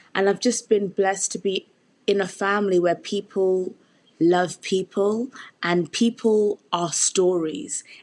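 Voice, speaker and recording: A woman with a South London accent speaks at a fairly slow pace. Her loudness stays very even and her intonation fairly even. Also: medium pitch for a woman. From South London, England. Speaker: actor. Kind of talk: interview.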